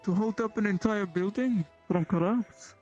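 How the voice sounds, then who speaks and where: High-voiced man speaking formally. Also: moderate pace, a little mellow, highs cut off, soft background music. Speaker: roleplay player. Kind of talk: in-character roleplay talk.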